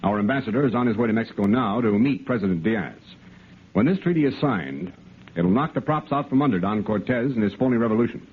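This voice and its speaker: An actor playing a brisk army intelligence lieutenant who briefs in a crisp, businesslike manner in a 1950s radio drama. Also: male voice, lowish voice, expressive. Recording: tinny old radio broadcast.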